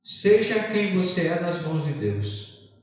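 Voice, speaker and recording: A man's voice: high-pitched, big pitch swings, measured pace. A man from Brazil, a pastor, preaching a sermon, often asking the congregation rhetorical questions, his voice rising and falling. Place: church sanctuary. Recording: echoey church hall from far off.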